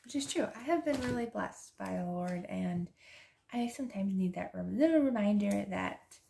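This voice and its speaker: A planner and journaling vlogger chats casually as she decorates a planner, speaking softly, slipping into whispers, and laughing often while her voice grows hoarse. Her pitch is medium, her intonation lively, and her pace moderate. There's a little hiss or hum.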